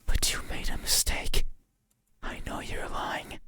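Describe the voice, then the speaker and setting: A performer voicing a menacing, pleading demon in a horror game, whispering slowly, intimately and insistently in an ASMR style. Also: bright, forceful tone. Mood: eerie, intimate. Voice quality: breathy unvoiced whisper. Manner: slow, deliberate, intimate, insistent.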